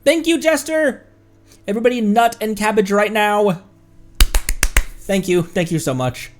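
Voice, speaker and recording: A man's voice: sits high, measured pace. A man chatting casually on a live game stream, thanking viewers and laughing often.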